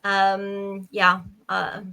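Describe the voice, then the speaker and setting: Slow, bright-voiced Italian-born woman. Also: mid-range voice, completely flat delivery, creaky, clear, resonant tone. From Italy. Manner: hesitant, many fillers and restarts. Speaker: psychologist and former dancer, guest. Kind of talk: interview answers.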